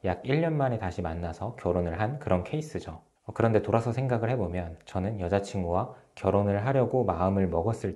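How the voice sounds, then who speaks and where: A man in his thirties, a relationship counselor, calmly giving advice to his viewers, with frequent filler sounds between phrases. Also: on the low side. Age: 30s. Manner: calm, steady explaining with frequent "uh" fillers. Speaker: relationship counselor and channel host. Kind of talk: advice talk to camera.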